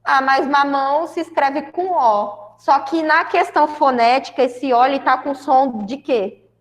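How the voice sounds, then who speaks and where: A woman's voice: high voice, a little slow, in a large hall. A Brazilian woman teaching a grammar lesson to a class, explaining step by step and often checking in with her students. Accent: Brazilian Portuguese. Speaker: school Portuguese teacher.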